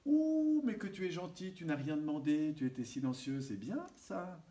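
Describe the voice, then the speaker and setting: A man voicing a mother who praises her child in a high, sing-song tone. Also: very animated, normal speed, dark tone, roomy sound. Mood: gushing praise. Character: scolding then praising mother, woman.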